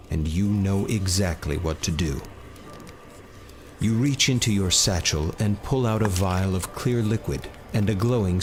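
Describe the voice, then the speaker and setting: A man reading a tabletop game's story text aloud as narrator, steady and measured. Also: low-pitched, a little hiss or hum. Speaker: game narrator.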